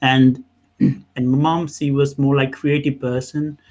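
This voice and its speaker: A man who comes from Nepal talks in a conversational interview as a business owner. His delivery halts and doubles back on words, with rhetorical questions worked into his storytelling. The pitch sits in an ordinary middle range for a man. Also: level tone, takes it slowly, darkish tone.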